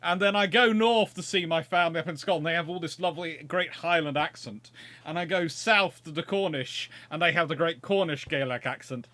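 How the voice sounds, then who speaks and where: A Surrey-accented Englishman streams a naval strategy game live as host, chatting and joking while he thinks aloud and restarts his sentences. His voice sits on the high side, with a fairly quick pace and a sharp tone. The recording has no room sound.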